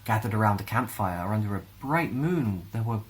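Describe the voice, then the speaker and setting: A man with a Scottish accent reading a children's fantasy story aloud in a gentle, expressive way. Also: on the low side, normal speed. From Scotland.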